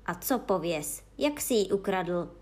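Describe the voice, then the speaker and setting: A woman voicing a stout, strict male judge who thunders and shouts at the accused, in a children's story reading. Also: lowish voice, expressive. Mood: hřímavý, rozhněvaný. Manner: hřímá, křičí na obžalovaného. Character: tlustý přísný soudce, hřmotný muž.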